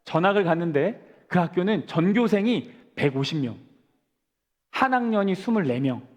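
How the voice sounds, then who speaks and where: Lively pastor preaching in a reverberant church. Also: male voice, sits high, normal speed. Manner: storytelling, asks the congregation questions and answers them. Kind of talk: sermon. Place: church sanctuary. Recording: long church-hall reverb.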